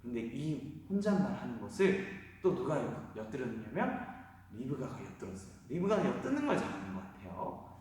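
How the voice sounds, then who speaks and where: A pastor, a man, telling a Bible story as a children's sermon, animated and often asking the listeners questions. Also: mid-range voice, fairly quick. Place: church sanctuary. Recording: echoey hall from far off.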